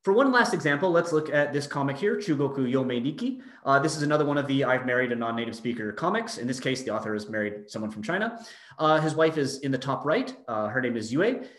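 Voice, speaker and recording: A man's voice: mid-range voice, animated, fast talker, fairly bright tone. A man giving an explanatory academic lecture over a video call, posing rhetorical questions as he goes. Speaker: university lecturer. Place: indoor room on a video call. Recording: roomy, echoey video-call audio.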